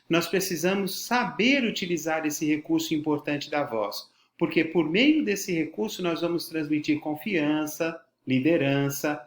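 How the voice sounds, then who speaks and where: In an educational talk about voice and podcasting, a Brazilian Portuguese-accented man lectures formally and didactically, leaning on certain words for emphasis. The voice sits a little high and sounds reverberant.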